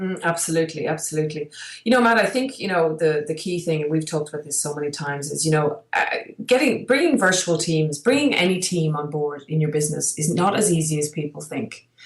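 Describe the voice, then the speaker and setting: A woman's very deep, low pitch at a very fast pace, with ordinary pitch variation and noticeable background noise. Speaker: podcast co-host. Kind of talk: casual podcast discussion.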